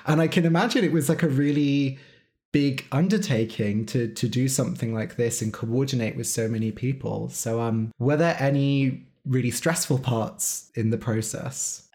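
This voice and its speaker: A man's voice: mid-range voice, moderate pace, darkish tone. A man hosting a podcast interview, talking in a chatty, casual way. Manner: chatty, uses "like" and "you know".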